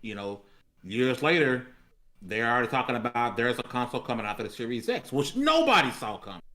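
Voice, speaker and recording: Mid-pitched man explaining gaming news casually. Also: sing-song, fairly quick, sharp tone. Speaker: panelist on a gaming podcast.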